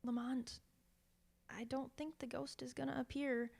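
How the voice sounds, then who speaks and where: Woman playing a high-voiced lady sleuth's companion. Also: flat delivery, a little slow, creaky, a little mellow, breathy edge, full character voice. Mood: uneasy, polite. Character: detective's nervous, loyal lady companion. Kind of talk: old-time radio mystery acting.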